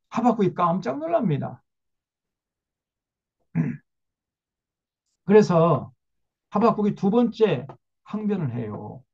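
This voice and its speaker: A man's voice: high-pitched, big pitch swings, slow, gravelly, long pauses, a little mellow, husky, dull audio. A male pastor preaching a sermon emphatically, with rhetorical questions.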